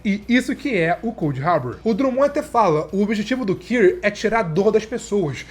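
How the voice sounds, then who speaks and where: A man's voice: high-pitched, expressive, moderate pace. A Brazilian man with a stuffed nose and sore throat, chatting enthusiastically as he reviews a TV series for his viewers. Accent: Brazilian Portuguese. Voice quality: nasal, stuffy. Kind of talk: casual video commentary.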